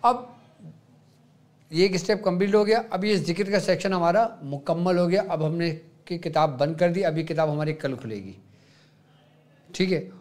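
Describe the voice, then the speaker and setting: A man with a Pakistani Urdu accent, a Sufi spiritual guide, patiently explaining devotional practice step by step and softly demonstrating the chants. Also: high voice. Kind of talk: religious instruction.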